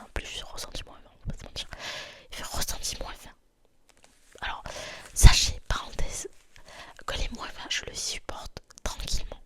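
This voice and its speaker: A woman from France, whispering a chatty ASMR vlog outdoors in the freezing cold. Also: fairly bright tone. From southern France. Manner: whispering throughout, chatty and self-deprecating. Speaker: vlogger.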